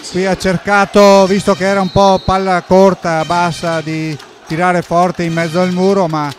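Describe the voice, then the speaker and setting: A man's voice: high voice, flat delivery, normal speed, loud music behind the voice. A man co-commentating a live volleyball match, explaining plays in an analytical, explanatory way.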